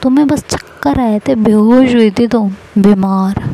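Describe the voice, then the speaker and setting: A woman's voice: on the high side, measured pace, dark tone, a little hiss or hum, poor audio. Protective young husband, read by a woman. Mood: scolding. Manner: scolding, fussing, teasing.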